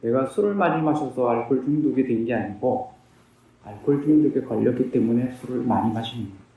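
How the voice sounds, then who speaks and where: A man's voice: mid-range voice, fast talker, dark tone. A man in his fifties sharing his recovery testimony in an earnest, plain-spoken way, asking himself questions and answering them. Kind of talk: personal testimony talk. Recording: very echoey room, distant mic.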